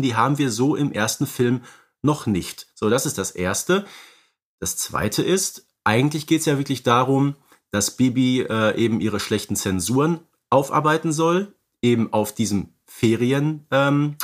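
Male podcast co-host, mid-pitched, explanatory conversational analysis with frequent tag questions.

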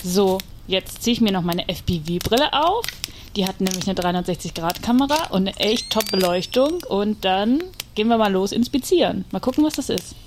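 A woman's voice: mid-range voice, animated, moderate pace. A woman acting out chatty, scripted dialogue in an audio play. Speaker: podcast host acting in a short audio play. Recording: noisy binaural campfire scene.

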